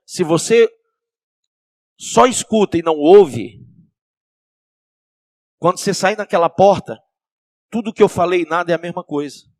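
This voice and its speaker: A male pastor with a Brazilian accent preaching a sermon, asking the congregation questions and swinging between soft and loud. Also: high voice, no room sound, studio quality. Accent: Brazilian Portuguese.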